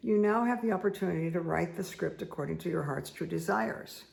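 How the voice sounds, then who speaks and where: Hoarse middle-aged woman, heavy vocal fry, slow repetitive spiritual card-reading delivery. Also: on the low side, a little mellow, poor audio. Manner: slow, soothing, repetitive guidance with asides. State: hoarse, croaky voice. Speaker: spiritual reader and meditation guide. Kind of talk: casual spoken card reading.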